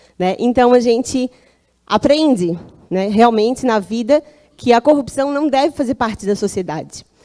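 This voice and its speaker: Heard dry and close with no echo, a woman's fairly high-pitched voice has a dark, mellow tone. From Florianópolis area, Santa Catarina, southern Brazil. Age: 40s. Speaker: political candidate. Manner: halting with fillers.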